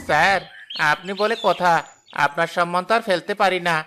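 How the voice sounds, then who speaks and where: Fawning cattle seller. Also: male voice, high voice, steady tone, brisk, sharp tone, slight background noise. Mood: wheedling. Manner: deferential, wheedling. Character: flattering village cattle seller, haggling. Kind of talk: cartoon voice acting.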